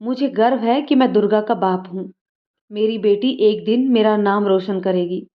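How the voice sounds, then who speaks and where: A woman voicing a gentle, loving village father. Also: medium pitch, moderate pace, natural voice. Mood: affectionate. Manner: warm, affectionate, easygoing. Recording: slightly dull lo-fi audio.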